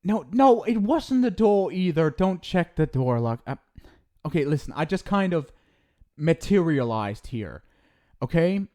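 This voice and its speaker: A man's voice: a little high, mellow. A man voicing an exasperated male ghost soulmate from the afterlife who swears while scolding and stumbles over restarts when he explains himself, in an ASMR roleplay.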